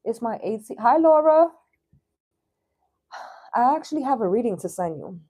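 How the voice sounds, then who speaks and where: Doing tarot readings on a livestream, this thirty-something woman keeps things chatty and casual, using slang and the odd curse. Her warm, expressive voice is on the high side and moves at normal speed.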